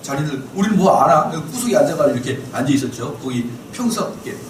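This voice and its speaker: Speaking quickly in a slightly high voice, a middle-aged pastor lectures a Bible class, hurling rhetorical questions at the audience and animatedly playing the people he quotes. The recording, made from a distance in an echoey church lecture hall, catches him off-mic with faint hiss.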